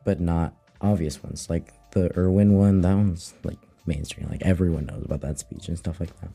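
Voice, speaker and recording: Very dark, gravelly, casual male podcaster. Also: sits low, steady tone, normal speed, soft background music. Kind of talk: casual chat.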